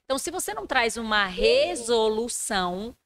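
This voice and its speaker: A woman teaching public speaking in a calm, didactic way, finishing her co-host's sentences. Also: fairly high pitch, normal speed. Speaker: speaking coach. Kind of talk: instructive conversation. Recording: long hall reverb.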